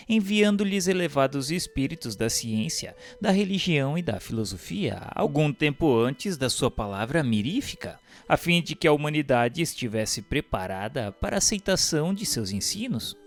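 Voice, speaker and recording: A Brazilian man giving a solemn, scripted spiritual narration in a formal, measured, declamatory way. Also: medium pitch. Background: instrumental music.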